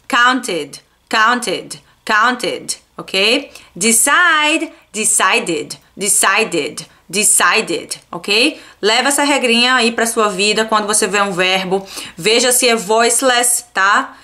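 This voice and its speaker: A young adult woman from Brazil teaching a casual video lesson on English pronunciation, repeating words slowly for learners and checking in often. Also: a little high, pushed and bright.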